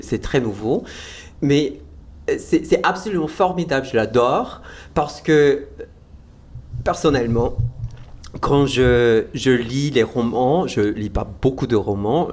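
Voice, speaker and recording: An American man from Vermont, a native English speaker, hosting a casual interview in an enthusiastic, halting way, with an American accent and some Québécois French. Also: medium pitch. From United States, Vermont. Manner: enthusiastic, hesitant with restarts. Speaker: host.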